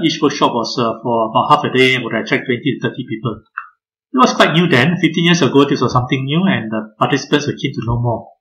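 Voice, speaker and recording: Older man giving a measured webinar talk, lots of uhs, video call audio with faint noise. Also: mid-range voice, a bit bright, poor audio. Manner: measured, many filler uhs, addresses the audience directly. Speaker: speaker presenting a talk on book publishing. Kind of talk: webinar presentation.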